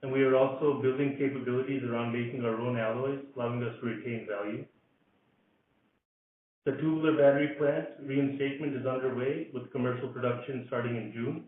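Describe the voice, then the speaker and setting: A man's voice: mid-range voice, a little hiss or hum. Guy doing an earnings update, really echoey and far off, phone sound. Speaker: company executive. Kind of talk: prepared business presentation on an earnings call. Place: conference call. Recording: echoey, distant, phone-like conference line.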